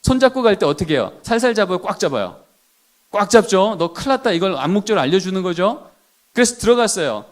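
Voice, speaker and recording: A man's voice: high-pitched, sing-song, fast talker. A man giving a church seminar for teachers and parents, asking the audience questions and answering them himself. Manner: acts out quoted lines of children and adults. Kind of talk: lively lecture with questions to the audience.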